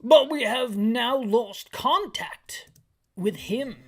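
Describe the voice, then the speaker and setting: A high-voiced, theatrical chief of no clear gender, put on by a game player. The delivery is overblown and emphatic, stretching words out with urgent, self-important grandeur, like a comic video game briefing. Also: animated, takes it slowly. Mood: urgent, grandiose.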